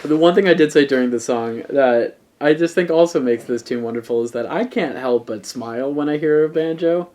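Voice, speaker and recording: A man's voice: on the high side, a little fast, hardly any pauses, a little mellow. A man co-hosting a music review podcast, talking in a rambling, fond way. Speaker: podcast co-host. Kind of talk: casual chat.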